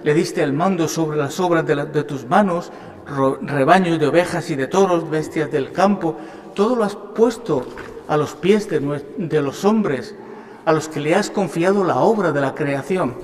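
An older man from Spain, a bishop, giving an earnest homily at Mass from a lectern in a large chapel. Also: a little high. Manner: slow, earnest preaching with rhetorical questions. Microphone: stand mic at a lectern. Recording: long church reverb.

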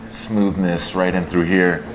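American barber dude, low voice, slangy chill chat, buzzy shop noise. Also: male voice, level tone, takes it slowly. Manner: laid-back, slangy, often says "man" and "dude". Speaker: barber hosting a barbershop video. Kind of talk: casual chat while cutting hair. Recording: clear shop noise with buzzing electric clippers. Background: electric shaver buzz.

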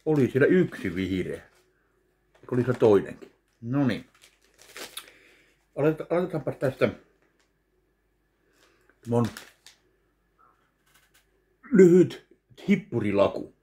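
A man in his thirties from Finland, casually tasting and judging candies at home, talking slowly between bites. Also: medium pitch, sing-song, dark tone. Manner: slow, chewing between remarks. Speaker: candy taste-test vlogger. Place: home kitchen, indoors. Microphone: webcam at desk distance.

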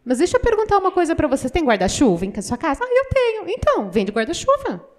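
A Brazilian woman voicing a deaf pastor's sermon in an animated way, asking the audience many questions and acting out what people say. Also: high voice, fast, a little hiss or hum. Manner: acts out quoted everyday voices. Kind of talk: interpreted sermon.

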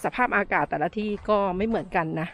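A woman's voice: medium pitch, quick pace, muffled recording. A middle-aged woman chatting through hiking tips as she walks a sunny desert canyon trail, filming herself at arm's length, a little out of breath. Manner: chatty, friendly tips with soft sentence-final particles. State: slightly out of breath while hiking. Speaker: travel vlogger. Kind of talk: casual walk-and-talk vlog. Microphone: handheld camera at arm's length.

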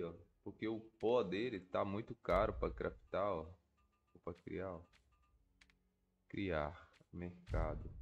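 Brazilian gamer guy, lowish voice, stuffy nose from a cold, mumbling thoughts out loud while he plays, slangy. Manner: informal, slangy, swearing. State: mildly congested with a cold. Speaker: gaming video creator. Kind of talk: casual gameplay commentary, thinking aloud.

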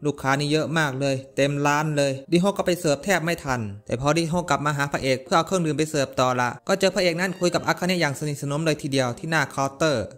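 A man casually recapping an anime's plot, with brisk, chatty, slangy asides. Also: on the high side, a bit bright.

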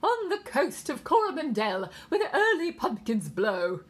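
A woman's voice: high voice, very animated, a little slow, voice pushed up. A woman voicing a prim English nursemaid reciting nonsense verse in a theatrical singsong, in an English accent. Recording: clear background noise.

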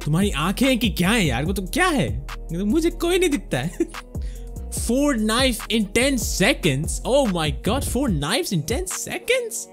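A man's voice: extremely high pitch, racing, faint music behind. A man in his twenties with an Indian accent, giving casual, exclaiming reaction commentary on game clips into a close desk microphone. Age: 20s. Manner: expressive, exclaiming, often chuckling. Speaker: host of a gaming clip showcase. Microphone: close desktop condenser microphone with headset on.

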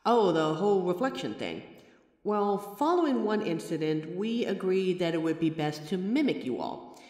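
A patient, wry mirror reflection, voiced by a man, explains itself to the listener in a chatty roleplay. The delivery is lively, swinging widely in pitch. The room rings with echo and a long reverb tail. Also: normal speed. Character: a person's own mirror reflection, a sentient light being, patient and wry. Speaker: audio roleplay voice actor. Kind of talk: scripted audio roleplay addressed to the listener.

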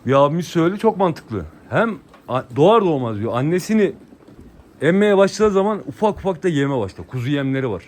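A man's voice: fairly high pitch, very animated, fairly quick, darkish tone. A man casually chatting to viewers in a vlog, talking fondly to his animals outdoors by a livestock pen. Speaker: vlogger raising lambs.

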